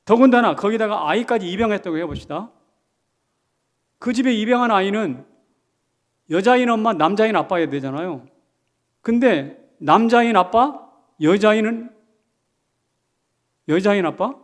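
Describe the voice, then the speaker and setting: Guy preaching in church, pretty high voice, keeps throwing questions at the crowd. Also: animated, moderate pace, pauses often. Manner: emphatic, asks the congregation questions. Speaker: senior pastor. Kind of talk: sermon. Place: church sanctuary.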